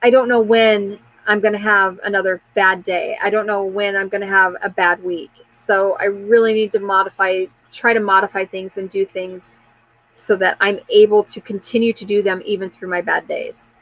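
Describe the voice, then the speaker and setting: A woman's voice: mid-range voice, flat delivery, moderate pace, a bit bright, low-quality recording. A woman in her forties hosting a casual live chat, talking candidly in a rambling way and answering viewer comments, with frequent fillers and restarts. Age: 40s.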